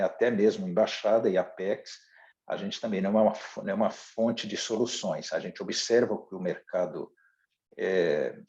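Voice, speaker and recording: A man working as an embassy trade official, giving formal, halting remarks at an online seminar. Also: on the low side, darkish tone. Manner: halting and formal, with many restarts. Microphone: video call. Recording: roomy, dull lo-fi call audio.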